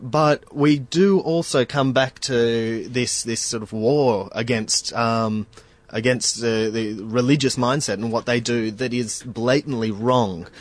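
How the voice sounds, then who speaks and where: A man co-hosting a podcast, talking haltingly with many restarts and fillers. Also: medium pitch, fairly even intonation, no room sound. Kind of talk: casual podcast discussion.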